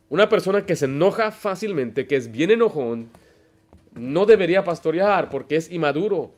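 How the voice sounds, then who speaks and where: A man, preaching a Baptist sermon as pastor, emphatic and full of stories and rhetorical questions. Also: a little high. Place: church.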